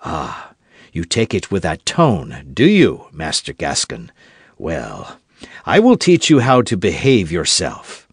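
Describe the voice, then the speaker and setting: A man's voice: huge pitch swings, slightly rough, no echo, clean studio sound. A man doing Aramis, a cool ironic musketeer. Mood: mocking. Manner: measured, dryly mocking, low and controlled. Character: suave young musketeer-churchman, cool and ironic. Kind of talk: audiobook character voice.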